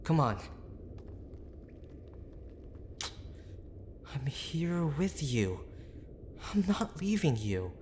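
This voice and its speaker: A man acting a gruff but tender young boyfriend who is desperately worried, speaking in a halting, pleading, intimate way for an audio roleplay. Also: a little high, big pitch swings, a little mellow, a little hiss or hum. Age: young adult. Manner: halting, pleading, with sighs and breathy asides.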